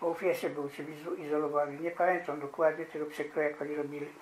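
A man speaks with a fairly high pitch and monotone, flat intonation. Light background noise is present. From Poland, Ożarów Mazowiecki near Warsaw; Poland. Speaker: retired factory worker. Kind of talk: oral history interview. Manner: halting, many fillers and self-corrections. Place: street.

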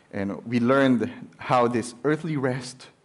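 The voice belongs to a man. His pitch varies in an ordinary way. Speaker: preacher. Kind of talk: sermon. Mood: warm, smiling. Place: church. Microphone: headset.

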